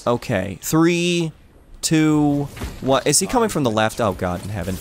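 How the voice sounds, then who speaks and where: Excitable male streamer with wildly swinging pitch. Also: unhurried, a little hiss or hum. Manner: excitable, banter-heavy, repeats phrases. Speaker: gaming streamer. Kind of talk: casual live gameplay commentary.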